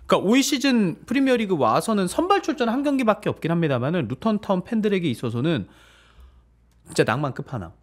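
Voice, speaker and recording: Host, slightly high voice with very wide swings, reads from notes in a casual way. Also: male voice, very animated, fast talker. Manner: brings in each segment, half reading from notes. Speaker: football talk show host. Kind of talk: reading segment notes, casual chat. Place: studio.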